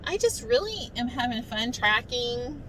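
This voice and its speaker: A woman's voice: a little high, big pitch swings, a little slow, background noise. A woman chatting casually to her viewers as a vlogger, in a talkative, self-amused way. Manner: chatty, self-amused, often chuckling while telling anecdotes. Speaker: vlogger sharing a daily diet challenge.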